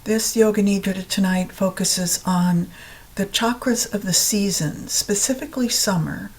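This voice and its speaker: A woman teaching yoga nidra, guiding a meditation in a calm, soothing, unhurried way with long pauses. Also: medium pitch. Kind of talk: guided meditation narration.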